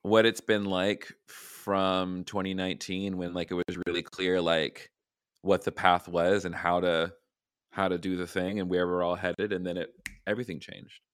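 A man, hosting a podcast in a playful, animated way full of fillers. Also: low-pitched, moderate pace, clean tone. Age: 30s. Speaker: podcast host. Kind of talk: casual chat.

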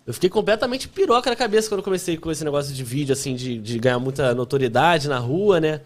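A man's voice: fairly high pitch, expressive, fast talker. A young man with a Carioca accent, chatting casually as a podcast guest, laughing often and using lots of filler words. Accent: Carioca Portuguese. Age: young adult. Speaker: guest, content creator.

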